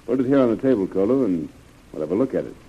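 Commanding radio adventure hero. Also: male voice, on the low side, lively intonation, husky. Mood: confident, curious. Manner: brisk, authoritative. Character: steady, commanding male jungle adventurer hero. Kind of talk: 1930s radio serial acting. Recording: muffled, noisy old radio recording.

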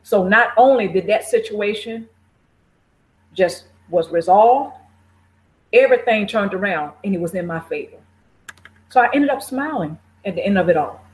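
A woman's voice: medium pitch, expressive, moderate pace, pauses often, poor audio. A woman speaking to listeners in a conversational motivational talk, encouraging and repeating phrases, often laughing.

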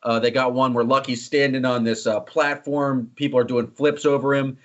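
A man hosting a casual sports podcast, teasing his co-host and joking as he moves quickly through topics. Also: mid-range voice, level tone. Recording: slightly dull lo-fi audio.

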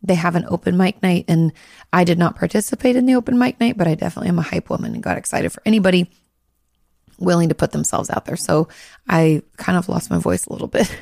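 A woman hosting a podcast, a little hoarse, chatting casually and hedging with frequent likes and restarts. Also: fairly low pitch, fast talker, a little mellow, no room sound, clean studio sound. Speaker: podcast host, therapist.

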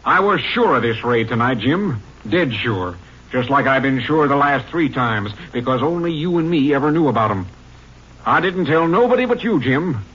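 Forceful, husky, hard-nosed sheriff. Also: male voice, medium pitch, big pitch swings, normal speed. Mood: accusing. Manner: accusing, blunt, commanding. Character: angry, honest, stubborn county sheriff. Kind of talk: 1950s radio drama acting. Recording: dull old 1950s radio recording.

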